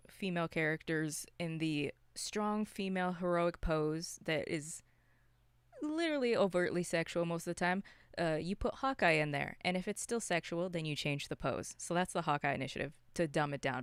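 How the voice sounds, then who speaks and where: A podcast co-host from Canada with a clear, smooth voice, recorded close and dry. The talk is casual and slangy, with opinions given freely. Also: mid-range voice, fairly bright tone, no room sound. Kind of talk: casual chat about movies.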